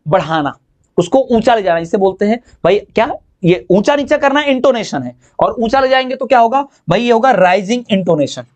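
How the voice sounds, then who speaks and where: A man teaching an exam-prep lesson, explaining in Hindi and reading English definitions slowly. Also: high-pitched, a little mellow.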